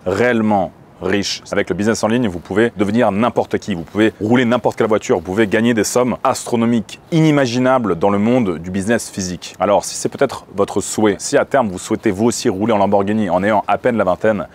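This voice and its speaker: A man in his twenties vlogging with his mother, chatting casually and turning to a confident, persuasive pitch. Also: fast talker, darkish tone. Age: 20s. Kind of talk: casual chat and sales pitch.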